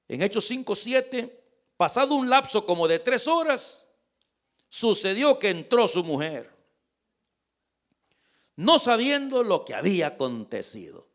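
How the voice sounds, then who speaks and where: A man preaching a lively, conversational sermon as pastor. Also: high voice.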